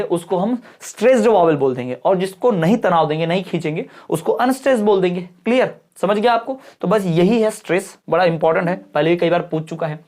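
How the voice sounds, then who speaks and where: A woman with a fairly low voice gives an exam-prep lecture. She reads English definitions out slowly, then explains them in her own words. She often pauses to ask her students whether they follow. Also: darkish tone. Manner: keeps checking understanding with quick questions. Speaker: teacher.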